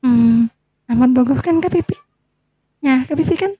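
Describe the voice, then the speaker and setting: A woman plays a coy young lover in an audio bedtime story, teasing and pouting. Her voice is high and very mellow, Sundanese-accented, on a muffled lo-fi recording. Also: normal speed, slightly rough, no echo.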